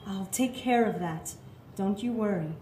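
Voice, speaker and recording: A woman acting a gentle young Catholic nun in live radio theatre, soothing and reassuring as she consoles a schoolboy. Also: mid-range voice, unhurried, close to an everyday voice. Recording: roomy live stage, clear background noise.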